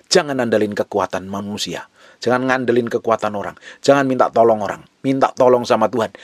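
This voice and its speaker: A man's voice: medium pitch, no room sound. A man preaching a sermon as a pastor, fervent and emphatic, mixing casual colloquial speech with scripture reading.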